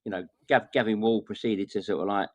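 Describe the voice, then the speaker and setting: A man giving measured, conversational football analysis as a podcast guest. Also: fairly low pitch, fairly even intonation, no echo. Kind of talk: casual football chat.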